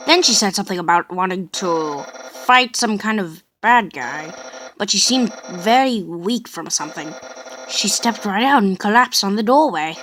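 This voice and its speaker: Woman playing a naive, boastful skeleton guy, bright-voiced. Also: medium pitch, expressive, moderate pace, slight background noise, lightly acted, low-quality recording. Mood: naive, puzzled. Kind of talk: amateur video game character dub.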